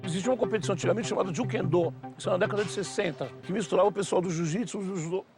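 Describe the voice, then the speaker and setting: A man recounts stories briskly in a documentary interview, speaking fast in a high, gravelly voice. Soft music plays faintly behind him. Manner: brisk anecdotal storytelling.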